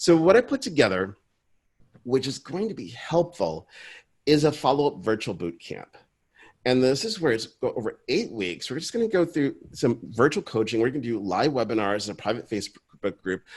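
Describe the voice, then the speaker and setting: A man with an American accent and very wide pitch swings over a quiet background. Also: medium pitch for a man. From Chicago. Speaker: digital marketing expert. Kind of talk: webinar presentation. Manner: fast.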